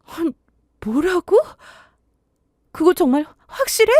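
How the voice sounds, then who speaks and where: Heavily acted and expressive, a woman storyteller slowly portrays a young bride-to-be who is puzzled, anxious, and full of questions. The bride's voice, higher than the narration, leaps around in pitch. It's recorded close and dry with no echo, and the tone is a little mellow.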